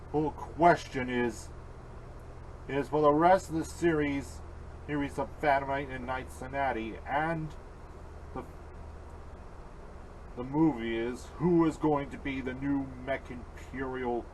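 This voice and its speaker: A man voicing a brooding villain in an amateur fan cartoon, speaking in a halting, measured, subdued way. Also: medium pitch, slight background noise, lightly acted, low-quality recording.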